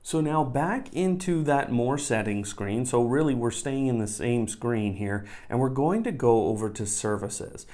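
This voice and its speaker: A man with a slightly mellow, mid-range voice walks viewers through a tech tutorial step by step, rewording his instructions along the way in a conversational tone. He sounds animated and keeps a measured pace with few pauses, speaking from a desk in a small indoor room.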